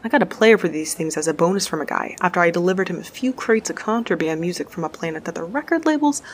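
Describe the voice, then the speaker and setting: A woman's voice: on the low side, animated, fast, slight background noise, natural voice. A woman playing a casual, wry young space courier who rambles informally in an audio drama. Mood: enthusiastic. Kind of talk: naturalistic audio drama acting, logging aloud.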